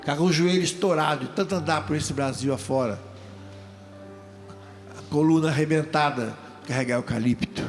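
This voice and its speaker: A man's voice: a little high, normal speed, long pauses, faint music behind. A man in his sixties with a Brazilian Portuguese accent, preaching a joking, emphatic testimony from a stage as a deacon. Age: 60s. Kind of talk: humorous testimony sermon. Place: stage at a religious event.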